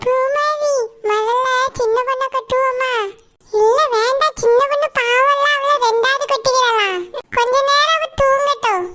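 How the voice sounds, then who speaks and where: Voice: very high voice, normal speed, sharp tone. A performer voicing a mischievous little village girl in a cartoon, playful and conspiratorial, with a southern Tamil Nadu accent. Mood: playful scheming. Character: mischievous little village girls plotting pranks at bedtime. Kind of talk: Tamil cartoon character dialogue.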